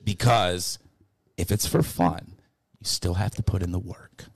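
A man hosting a casual podcast, loud and animated, ribbing his friends and swearing a lot. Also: low voice, unhurried, gravelly, husky. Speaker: podcast host. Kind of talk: casual chat.

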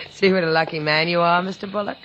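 An actress playing a cool, sly, wisecracking dame in a 1950s radio drama, dryly teasing. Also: female voice, on the low side, fairly even intonation, a little fast, highs cut off, lightly acted. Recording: noisy old 1950s radio recording.

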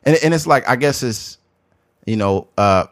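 A man's voice: mid-range voice, animated, normal speed, dry recording, clean studio sound. A man co-hosting a podcast in casual chat, talking loosely and rambling with lots of filler words. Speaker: podcast co-host.

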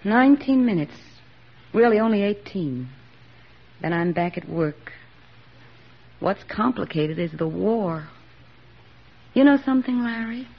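A woman's voice: mid-range voice, expressive, a little slow, gravelly, pauses often. A woman playing an earnest young army nurse in a 1940s radio drama, speaking with heartfelt sincerity. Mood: tender. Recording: dull old radio broadcast recording.

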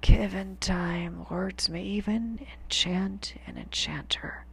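A woman voicing a dying, gruff old male weapons teacher, speaking in a slow, halting whisper. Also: medium pitch, huge pitch swings, heavily acted.

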